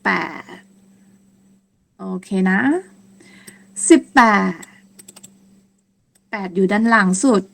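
A woman teaching a lesson on German numbers, speaking slowly and patiently and repeating each word several times. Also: mid-range voice, creaky. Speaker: language teacher.

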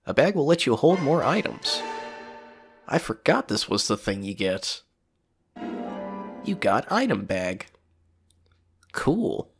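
A man's voice: mid-range voice, big pitch swings, takes it slowly, pauses often, over music. A man with a cold, sniffling as he chats casually and rambles while playing a video game. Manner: rambling, chatty, swears casually. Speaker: gameplay commentator. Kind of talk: casual let's play commentary.

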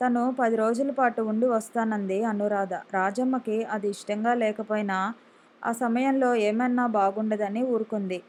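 A woman's voice: medium pitch, a little mellow. A woman narrating a story aloud as an audiobook reader, voicing the characters' pleas along the way. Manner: voices characters' emotional pleas within narration.

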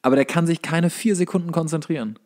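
A man's voice: fairly high pitch, fast, darkish tone. A young man chatting casually as a podcast co-host, colloquial and opinionated. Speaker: podcast co-host and workshop teacher.

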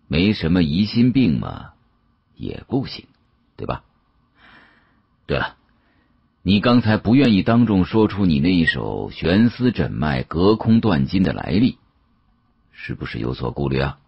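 Guy doing a shrewd older gov boss for an audiobook, super low and husky, genial but probing. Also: very animated, no room sound, muffled recording, exaggerated voice. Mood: patronising, calm. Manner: unhurried, probing, patronising. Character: genial, shrewd older male government director.

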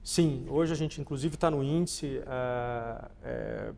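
A man's voice: mid-range voice, slow pace, creaky, dark tone. A Brazilian man in his forties giving polished, conversational answers as an interview guest. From Goiás, Brazil. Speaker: interview guest, shopping mall executive. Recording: reverberant space with faint background noise.

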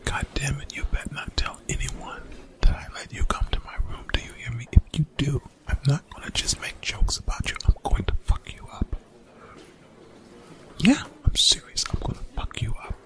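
A man playing a young college bully in an ASMR roleplay, gruff, defensive and grudgingly apologetic, in hushed, breathy, exasperated slang with swearing. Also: expressive, normal speed, natural voice. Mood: threatening, hushed. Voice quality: whispered, breathy, gravelly low voice.

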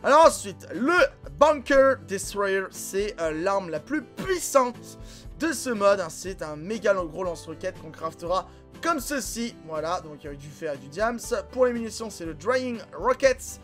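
Excitable high-voiced man, gameplay commentary. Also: unhurried. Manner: excitable, filler-heavy, frequent voilà and hein. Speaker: gaming channel host. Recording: game music clearly behind voice. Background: background music and in-game explosions.

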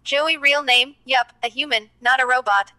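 A woman voicing a deadpan robot that claims to be human, speaking in a flat mechanical robot voice between beeps. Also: sits high, moderate pace. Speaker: outro announcer.

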